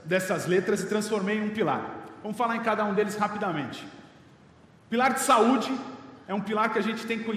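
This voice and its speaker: A man's voice: high voice, a bit bright, long reverb tail. A Brazilian man in his late thirties giving a humorous motivational talk from a stage, joking and chatting with the audience. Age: late 30s. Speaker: motivational speaker.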